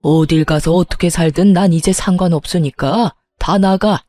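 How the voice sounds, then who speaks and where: A woman's voice: fairly low pitch, moderate pace, mellow, close to an everyday voice. A woman voicing a stern older father-in-law who gives angry commands.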